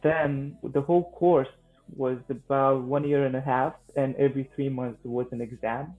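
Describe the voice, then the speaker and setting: A man in his twenties from Romania with a Romanian accent, answering interview questions conversationally in a halting way, often repeating words. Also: mid-range voice, steady tone, soft background music. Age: 20s. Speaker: guest, vocal coach and singer-songwriter. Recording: thin phone-like line.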